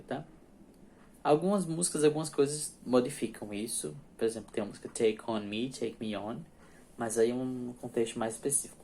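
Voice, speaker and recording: A man teaching English grammar in a recorded class, patiently repeating examples slowly and checking that his students follow. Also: fairly low pitch, a little mellow, slight background noise.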